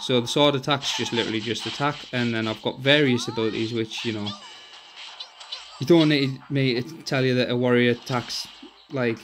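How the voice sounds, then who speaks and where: Over music in the background, a man speaks at medium pitch and a moderate pace with fairly even intonation. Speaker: mobile game reviewer. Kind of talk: casual game review talk. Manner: hesitant, many filler words.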